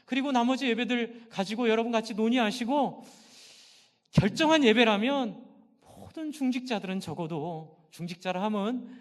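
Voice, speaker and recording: A man's voice: extremely high pitch, normal speed. A middle-aged male pastor preaching a passionate sermon in a church sanctuary, posing questions to the congregation and answering them himself. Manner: impassioned, asks and answers own questions. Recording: long hall reverb.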